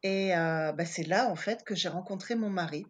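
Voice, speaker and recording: A woman's voice: lowish voice, normal speed. A woman in her fifties from Paris, chatting casually as an interview guest, with many hesitant fillers. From Paris, France. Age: 50s.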